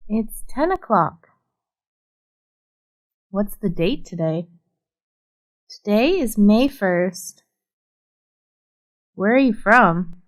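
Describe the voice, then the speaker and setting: Slow, deliberate woman for a language-lesson read; mid-pitched, reads both sides of a dialogue evenly. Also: a little mellow, rough recording. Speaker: English practice reader. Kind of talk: scripted practice dialogue reading.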